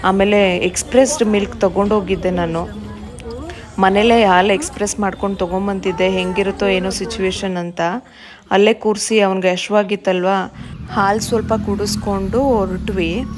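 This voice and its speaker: A woman's voice: mid-range voice, fairly even intonation, normal speed. A young woman, a new mother chatting through a casual vlog and mixing English words into her talk. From India.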